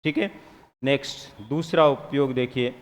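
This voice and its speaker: A man's voice: medium pitch, steady tone, a little slow, big-room sound. A man teaching psychology in a live classroom lecture, questioning students and answering his own questions, sometimes teasing them.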